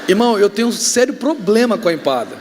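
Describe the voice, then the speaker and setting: Man, Brazilian accent, pastor, sermon, joking storyteller, very high pitch, faint background ambience. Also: quick pace, a little hiss or hum. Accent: Brazilian Portuguese. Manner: joking, animated storytelling with shouts. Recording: reverberant hall, faint ambience.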